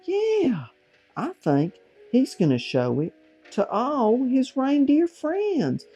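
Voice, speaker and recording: A doting, flirty grandparent in a comedy sketch. The voice is breathy and mellow with big swoops, cooing over music. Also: male voice, very high-pitched, huge pitch swings, takes it slowly, exaggerated voice. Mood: cooing, suggestive. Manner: cooing, gushing.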